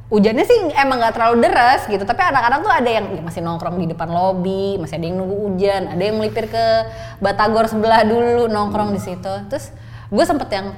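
A woman telling a personal story in casual chat, animated and often laughing as she talks. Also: mid-range voice, quick pace. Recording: long reverb, faint noise.

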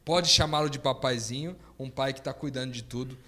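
A man's voice: medium pitch, fairly quick, bright, forceful tone. A Brazilian man in a casual faith discussion, speaking thoughtfully and quoting songs. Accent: Brazilian Portuguese. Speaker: panelist.

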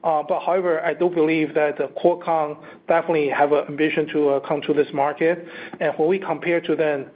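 Halting male executive on a phone-like line. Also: fairly high pitch, level tone. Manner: halting, repeats words and restarts. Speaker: company executive. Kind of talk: answering analyst questions on an earnings call. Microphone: conference call line. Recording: narrow phone-like line, faint noise.

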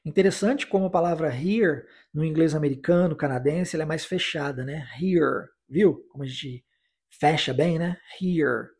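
A man from Brazil teaching English in a podcast lesson, explaining phrases and then repeating the English lines slowly for listeners to practise. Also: a little high, darkish tone, slightly rough. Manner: encouraging, with tag questions like "né?" and "tá?".

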